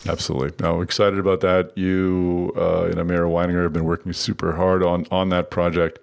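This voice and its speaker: Male podcast host, very low gravelly voice, loose rambling delivery with frequent restarts. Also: little pitch movement, a little fast. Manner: rambling, restarts often with filler words. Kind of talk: conversational podcast interview.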